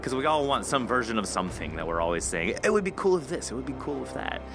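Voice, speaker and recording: A man's voice: mid-range voice, big pitch swings, quick pace, music in the background. A man hosting a podcast interview, chatty, playful and upbeat. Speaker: podcast host.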